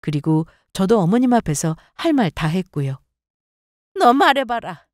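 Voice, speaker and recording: A woman narrating a first-person family story for radio in an expressive, conversational manner. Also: on the low side, moderate pace, no echo, studio quality.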